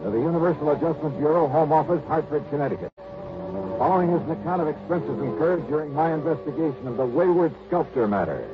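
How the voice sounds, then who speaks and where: An actor playing a wisecracking, confident insurance investigator in 1950s radio drama style, snappy and wry. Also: male voice, on the high side, quick pace, lightly acted. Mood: brisk narrating. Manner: snappy, wry, hard-boiled. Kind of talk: 1950s radio drama acting, hard-boiled narration. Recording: dull, noisy vintage radio recording.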